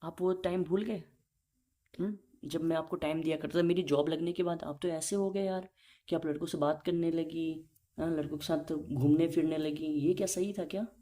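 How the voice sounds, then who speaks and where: A man's voice: a little high, fairly even intonation, normal speed, dark tone. A young man in an intimate relationship argument, speaking in a reproachful, insistent and repetitive way. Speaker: boyfriend in a relationship call.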